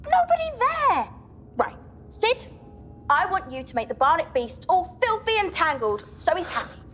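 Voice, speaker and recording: A woman's voice: very high-pitched, sing-song, moderate pace, a bit bright, exaggerated voice. A woman voicing a vain, dramatic young female pop star captain in a cartoon, bossy and whiny, with music behind.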